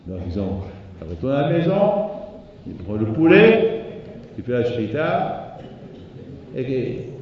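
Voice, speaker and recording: Man preaching from far off in a booming hall. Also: slow pace, a little hiss or hum. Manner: lively storyteller who acts out the animals. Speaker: rabbi. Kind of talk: sermon with a told fable. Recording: echoey hall from far off, dull.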